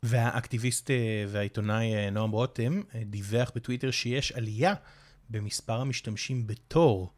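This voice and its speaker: A man's voice: medium pitch, steady tone. A man hosting a casual podcast discussion, asking questions in an inquisitive, playful way. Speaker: podcast host.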